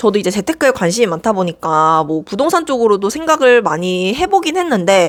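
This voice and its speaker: Her pitch sits in the medium range for a woman but swings very widely. She talks at a fairly quick pace. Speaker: YouTuber. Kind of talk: casual vlog talk. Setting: talking to camera.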